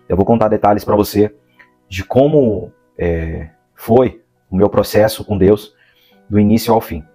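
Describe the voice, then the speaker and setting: A man's voice: fairly low pitch, dark tone. A man in his thirties from the São Paulo interior with a Brazilian Portuguese accent, giving an earnest religious testimony to camera on a lapel mic, drawing out key words for emphasis. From Brazil, interior of São Paulo state. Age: 30s. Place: indoor room, seated in a gaming chair. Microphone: clip-on lapel mic.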